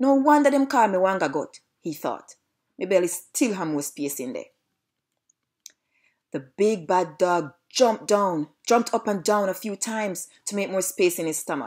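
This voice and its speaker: Quiet background, a woman at medium pitch, very wide pitch swings and a moderate pace. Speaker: storyteller. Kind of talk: children's story reading. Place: home room. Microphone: webcam.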